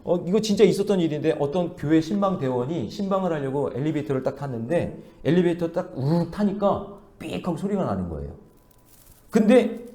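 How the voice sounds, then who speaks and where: A male pastor preaching an animated sermon, telling stories and throwing questions to the congregation. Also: on the high side. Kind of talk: sermon at a Friday prayer meeting. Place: church sanctuary. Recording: echoey church hall.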